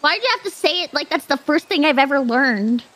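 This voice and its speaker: A woman chatting casually as a vtuber guest, giggly and excitable. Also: sits high, a little fast, low-quality recording. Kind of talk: casual stream chat.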